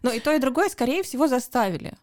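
A woman's voice: sits high, animated, a little mellow, no room sound. Curious young woman asking questions. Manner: curious questioning, quick follow-ups. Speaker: podcast co-host. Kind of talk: casual chat.

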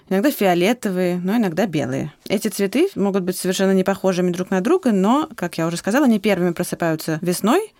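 A woman's voice: mid-range voice, darkish tone, no room sound, clean studio sound. A woman co-hosting a children's podcast, explaining things conversationally like a teacher. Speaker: podcast co-host, biology teacher.

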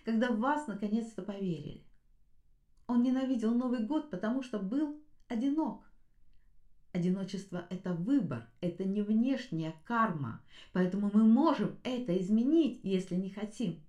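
A woman with a fairly high voice speaks in a noticeably echoey space. She delivers motivational commentary like a podcast host. Her manner is earnest and emphatic, turning straight to the listener. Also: a little mellow.

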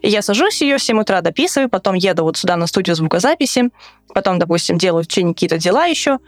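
A woman in her twenties from Russia, talking casually and at length as an interview guest, an animated storyteller in a recording studio. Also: mid-range voice, very fast, no room sound. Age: 20s. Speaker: interview guest, travel writer and swimming coach.

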